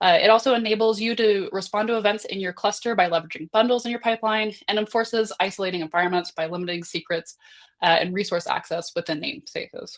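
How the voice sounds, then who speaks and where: Talking very fast, a woman uses a medium pitch with ordinary pitch variation. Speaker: software engineer presenting an open source tool. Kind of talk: technical presentation.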